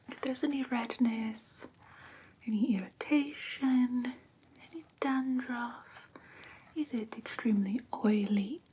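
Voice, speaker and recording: Slow whispering vampire teacher played by a woman. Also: a little high, exaggerated voice. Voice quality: breathy whisper. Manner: soft, careful, instructive, politely formal. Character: gentle, prim vampire woman teaching a human-care class. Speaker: ASMR performer. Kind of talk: whispered ASMR roleplay. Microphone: close microphone.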